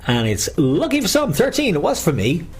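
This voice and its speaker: A man's voice: high voice, huge pitch swings, moderate pace. A man working as a bingo caller, chatting with players and calling numbers with rhyming nicknames, repeating each one. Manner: chatty, bantering with players and co-host.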